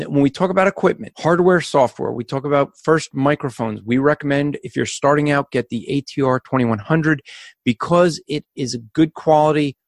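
A man co-hosting a podcast, explaining recording gear in a casual instructional way with a loud, carrying voice and energetic delivery. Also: medium pitch, dry recording, clean studio sound. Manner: energetic, explanatory, addresses listeners as folks. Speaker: podcast co-host.

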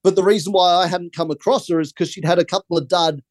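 A man's voice: high voice, fairly even intonation, fast, no echo. A man, a film director, rambling through anecdotes in a casual interview and laughing often.

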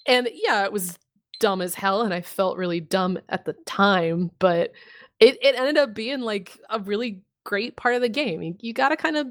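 A woman co-hosting a podcast in loose, casual chat. She laughs often, swears freely and tells animated stories. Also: mid-range voice, normal speed. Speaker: podcast co-host.

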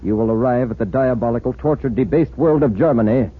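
A man narrating a 1940s radio drama in a booming, urgent, declamatory way, heard from an old broadcast recording. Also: a little fast, breathy edge. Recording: tinny scratchy 1940s radio recording with faint hiss.

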